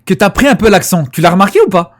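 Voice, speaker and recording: A young male streamer with a fairly high voice chats casually with his guest. He passes on viewers' questions and lets the ends of his phrases sink to a soft murmur. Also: lively intonation, quick pace. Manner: chatty, reads viewer questions, drops to a quiet murmur at the end of phrases. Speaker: streamer host. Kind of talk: casual live-stream interview.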